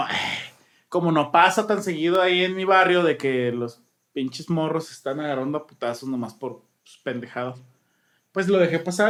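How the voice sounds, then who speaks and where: A man's voice: fairly high pitch, echoey room. A man with a Mexican accent, co-hosting a podcast and telling a rambling story in slangy casual chat, acting out what people said. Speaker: podcast co-host.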